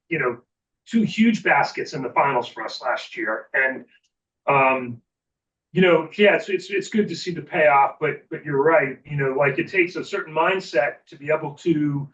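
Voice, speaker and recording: A man's voice: a little high, fairly bright tone, recorded from a distance, muffled recording. A man speaking as an interview guest in a casual, reflective way, informally checking in with the listener as he goes. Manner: informal, reflective, often checks in with 'you know'. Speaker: sports executive, podcast guest.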